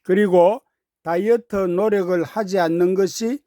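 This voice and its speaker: A woman's voice: mid-range voice, fairly even intonation, unhurried, dark tone, no room sound, clean studio sound. A woman storyteller narrating a children's story from a script.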